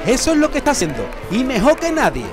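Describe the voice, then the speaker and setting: An excited, proud working-class husband in a Spanish audio drama. His very high voice swings widely, with music and a crowd behind. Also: fast, exaggerated voice.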